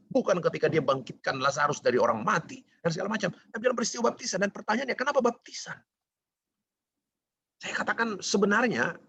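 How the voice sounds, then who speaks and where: Gravelly-voiced man preaching. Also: high voice, fairly bright tone, no echo, highs cut off. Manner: conversational, asks and answers his own questions. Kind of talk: Christmas sermon.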